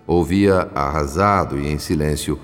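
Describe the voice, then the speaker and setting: A solemn spirit narrator in a radio drama. His low voice recounts events in measured, literary phrases, in long reverb with faint music behind. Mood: grave, compassionate.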